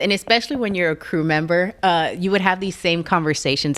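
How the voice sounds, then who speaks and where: A woman speaks at a very fast pace with a fairly low pitch. Her tone is animated. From Arkansas, US South (born in Panama). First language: Spanish. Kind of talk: interview conversation.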